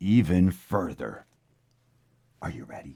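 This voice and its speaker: Man's very deep, low voice with vocal fry and a dark, mellow tone. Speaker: voice actor. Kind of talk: corporate promo read.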